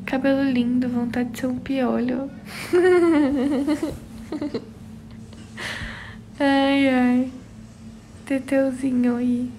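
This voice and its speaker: A woman's voice: high voice, completely flat delivery, takes it slowly, mellow, slight background noise. A young woman from Brazil with a São Paulo accent, casually chatting on a phone livestream and answering viewers by name. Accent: São Paulo Portuguese. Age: young adult. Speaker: livestream host. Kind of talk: casual live chat reading viewer comments.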